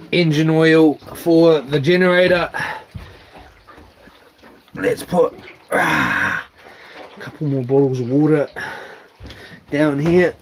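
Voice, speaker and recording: A man's voice: fairly high pitch, a little hiss or hum. A man with a broad New Zealand accent chatting casually and slangily, half to himself, as he vlogs. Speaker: live streamer. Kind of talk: casual vlog chat, talking while tidying.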